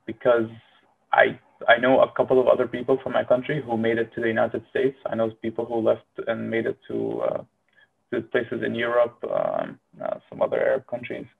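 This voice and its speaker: A man's voice: medium pitch, vocal fry, phone-quality sound, slight background noise. A young man in his early twenties from Syria, with a Syrian Arabic accent, rambling casually through a monologue with many fillers. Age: early 20s. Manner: rambling, filler-heavy, self-deprecating. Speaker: medical student vlogger.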